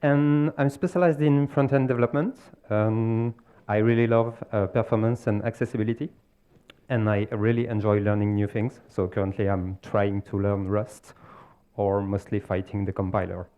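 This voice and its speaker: A man with a French accent giving a technical conference talk, explaining step by step with pauses and self-corrections. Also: lowish voice, steady tone, dark tone, smooth, muffled recording. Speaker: conference speaker. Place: conference stage.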